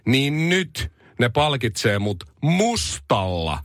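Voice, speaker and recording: A man's voice: medium pitch, sing-song, no room sound, clean studio sound. A man hosting a radio morning show, telling a comic story in casual chat with mock pride.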